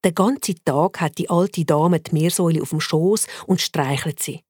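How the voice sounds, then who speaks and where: Lively Swiss German woman reading a children's story. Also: lowish voice, slightly rough, no echo, studio quality. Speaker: narrator.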